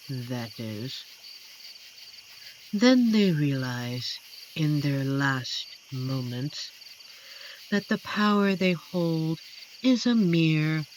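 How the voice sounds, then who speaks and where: Woman playing a low-voiced, slow-talking amiable werewolf. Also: noisy background, exaggerated voice. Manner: unhurried, teasing, chatty with dramatic pauses. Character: amiable, playful female werewolf guardian of a forest. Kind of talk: scripted audio roleplay addressed to the listener.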